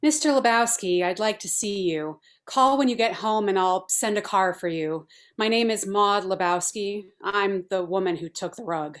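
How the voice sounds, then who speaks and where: A woman playing a brisk, haughty feminist artist in a script read, speaking in a formal, clinical, matter-of-fact way. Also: medium pitch, close to an everyday voice. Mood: curt. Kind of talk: table read of a film script.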